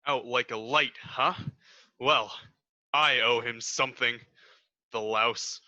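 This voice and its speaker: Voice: mid-range voice, fairly even intonation, takes it slowly, sharp tone, dry recording, rough recording. An actor playing a tough, sneering young henchman in a radio play, curt and threatening. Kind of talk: old-time radio play acting.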